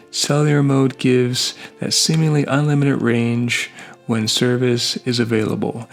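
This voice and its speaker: A man narrating a scripted product review in measured, short phrases. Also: medium pitch.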